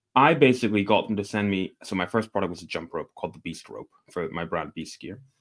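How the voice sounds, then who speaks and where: Very fast and fairly low-pitched, a man talks in a very clean recording with a silent background. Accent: Scottish. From Northeast Scotland (Aberdeen). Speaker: e-commerce entrepreneur and author. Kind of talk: casual interview.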